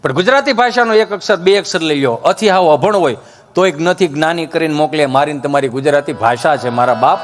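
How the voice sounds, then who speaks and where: A man tells stand-up jokes in a high, bright register. He spins his tales in a folksy, rustic manner, like a village raconteur. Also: a little fast. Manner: folksy storytelling with rustic dialect. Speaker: comedian. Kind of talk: stand-up joke telling.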